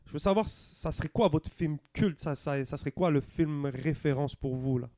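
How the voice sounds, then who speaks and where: A man's voice: a little high, moderate pace, no room sound, clean studio sound. A man co-hosting a casual chat, mixing with English slang as he asks questions. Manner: relaxed, mixes French and English slang. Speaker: podcast co-host.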